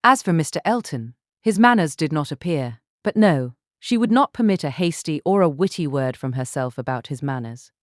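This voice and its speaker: A woman narrating a classic novel audiobook in a measured, articulate, literary style. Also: sits low, expressive, dry recording, studio quality.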